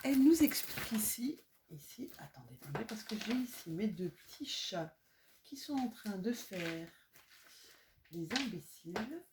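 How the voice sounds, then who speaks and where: A woman's voice: medium pitch, big pitch swings, normal speed, very noisy. A French-speaking woman giving a casual oracle card reading at home, chatty and self-mocking, drifting off topic now and then. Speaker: astrology and oracle card reader.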